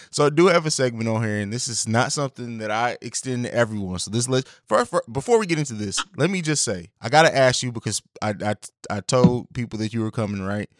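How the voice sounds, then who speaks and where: A man's voice: medium pitch, animated, fairly quick, hardly any pauses, no room sound. Man hosting a podcast, dry close sound. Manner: hesitant, self-correcting, laughs easily. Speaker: podcast host. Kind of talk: casual conversation.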